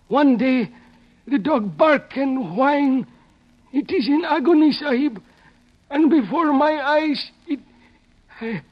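High-voiced, halting Arab servant. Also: male voice, husky, exaggerated voice. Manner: halting broken English, deferential. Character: timid Arab servant man telling of strange horrors. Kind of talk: 1950s radio acting. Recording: dull lo-fi 1950s radio recording.

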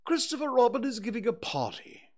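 A man's voice: extremely high pitch, sing-song, brisk, voice pushed up, heavily acted. A man voicing a fussy, self-important male owl in a storybook reading, insistent and emphatic.

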